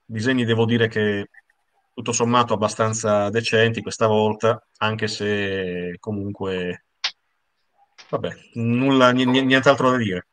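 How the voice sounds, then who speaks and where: Man in his thirties, fairly low voice, hesitant, casual panel comments, very dry room sound. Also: steady tone, a little slow, fairly bright tone, dry recording. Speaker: guest panelist. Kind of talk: casual episode discussion. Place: room at home.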